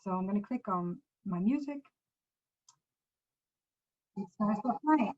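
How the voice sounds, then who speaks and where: Swedish-accented woman, casual presenter, mid-pitched, dull call audio. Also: expressive, unhurried, a little mellow. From Sweden. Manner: chatty, loose, frequent self-corrections. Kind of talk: casual screen-share app demo.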